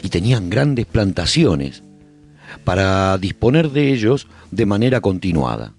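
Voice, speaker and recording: A man playing a survivor who calmly narrates life in a post-apocalyptic colony for a radio drama, reflective and husky, with pauses. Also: low-pitched, faint music behind, exaggerated voice. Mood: calm recounting. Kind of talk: scripted first-person radio drama narration.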